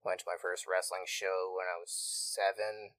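A young man, a guest wrestler talking casually and loudly in a small studio interview. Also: low-pitched, level tone, moderate pace, no echo. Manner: loud, used to yelling, easygoing.

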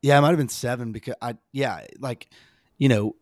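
A man with a slightly hoarse voice hosting a casual, rambling, emphatic fan talk on a sports podcast. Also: mid-range voice, a little fast, darkish tone, no room sound, clean studio sound.

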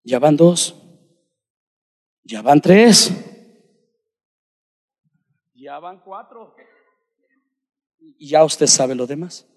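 A man preaching a sermon to his congregation, addressing them directly and swinging between shouting and hushed speech. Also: a little high, extremely slow, long pauses. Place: church sanctuary. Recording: long hall reverb.

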